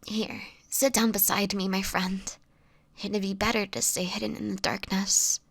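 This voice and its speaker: A woman playing a sickly, homeless vampire in an intimate audio roleplay, speaking softly and haltingly, often in a whisper, with formal old-fashioned wording and gentle melancholy. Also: mid-range voice, level tone, creaky, husky, no room sound. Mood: hushed, confiding. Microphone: close microphone, dry.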